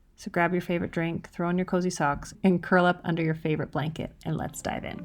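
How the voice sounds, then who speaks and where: Music plays in the background. The delivery is fairly quick and monotone, with flat intonation. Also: woman, fairly low pitch for a woman. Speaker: podcast host. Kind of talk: casual personal podcast talk.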